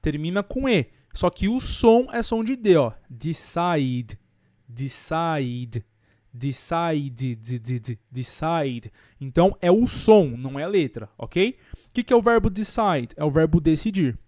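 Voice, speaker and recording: A man from Brazil, an English teacher explaining pronunciation to camera in a lively way, repeating example words slowly and clearly. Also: high voice, no room sound, studio quality.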